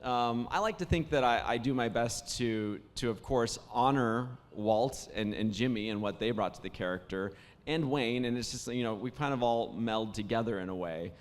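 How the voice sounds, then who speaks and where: A man, raspy and worn after days of talking, answers questions at a convention panel. His voice sits mid-range and rambles warmly through false starts. A long hall reverb trails every word. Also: medium pitch, normal speed. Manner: warm storytelling, many restarts and fillers. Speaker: voice actor panel guest. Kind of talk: casual convention panel talk.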